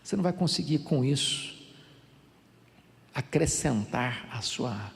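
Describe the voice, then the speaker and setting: Brief: older male Brazilian pastor, lively gravelly sermon delivery, reverberant hall. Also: medium pitch, unhurried. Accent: Brazilian Portuguese. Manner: animated storytelling preacher, dramatic swings.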